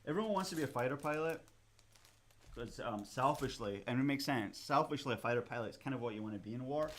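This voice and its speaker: A Scottish man talks loosely and chattily on a museum livestream as he pieces a model kit together. His voice sits at an everyday middle pitch. It dips low and quiet while he concentrates, then jumps up bright and loud when he gets excited, with plenty of "um" and "you know" along the way. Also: fast talker. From Scotland. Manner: rambling and chatty, with many fillers and restarts; animated, with sudden rises in pitch and loudness when excited.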